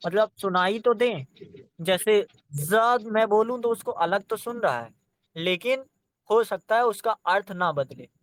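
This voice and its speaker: A man's voice: high voice, smooth, dry recording. A man teaching an exam-prep lesson, sounding out letters one by one and urging students to try them. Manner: addresses students directly, coaxing them to try.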